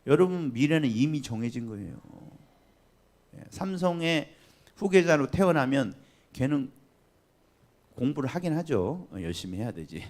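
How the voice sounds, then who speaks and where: A man preaching a Sunday sermon as pastor, animated and often questioning the congregation. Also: mid-range voice, normal speed, long pauses. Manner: animated, often acting out quoted voices and asking the congregation questions. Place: church sanctuary.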